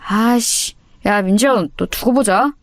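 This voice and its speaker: A woman voicing a menacing teenage boy bully who talks in a rough, threatening way. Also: mid-range voice, unhurried, no room sound, studio quality, natural voice.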